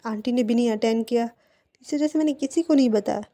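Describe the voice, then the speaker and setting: A steady, patient uncle figure, calm and reassuring. A woman narrator gives him her own mellow, fairly high voice, a little quieter. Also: fast.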